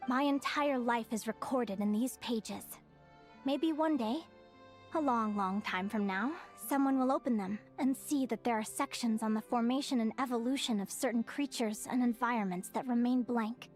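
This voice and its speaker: A woman voicing an earnest young naturalist in a video game, speaking in a halting, reflective way. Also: on the high side, lightly acted. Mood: wistful. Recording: game audio with faint music.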